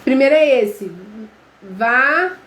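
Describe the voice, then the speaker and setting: A woman's voice: high voice, lively intonation, slow pace, a bit bright. A Brazilian woman teaching a live online class, chatty and quizzing her viewers. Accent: Brazilian Portuguese. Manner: chatty, addresses viewers as gente, quizzes them. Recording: echoey room with faint background noise.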